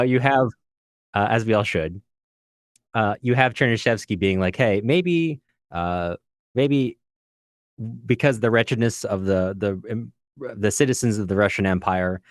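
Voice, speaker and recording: A man with a fairly low voice talks through literature as a podcast co-host. His delivery is unscripted and discursive, earnest in tone, with halting self-corrections. The sound is very dry, with no room around it. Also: no echo.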